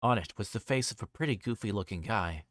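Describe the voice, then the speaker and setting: A man's voice: lowish voice, quick pace, fairly bright tone, no echo, studio quality. A man livestreaming a visual novel, reading its narration aloud and sometimes stumbling and re-reading. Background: music behind the voice.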